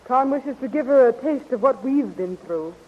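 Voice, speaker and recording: An actress playing a young princess, the hero's devoted sweetheart, in a 1930s radio serial. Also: female voice, sits high, animated, normal speed, in a large hall. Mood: knowing. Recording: dull, noisy 1930s radio recording.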